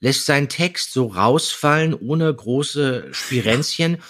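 Slightly husky man chatting on a podcast. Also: mid-range voice, expressive, slow, a bit bright. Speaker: podcast co-host. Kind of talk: casual review chat.

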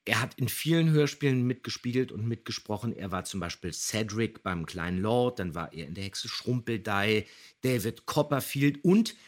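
A man's voice: lowish voice, lively intonation, normal speed. A mature man chatting on a podcast, explaining details with enthusiasm. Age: middle-aged or older. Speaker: podcast co-host, radio play voice actor. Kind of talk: casual podcast talk, explaining.

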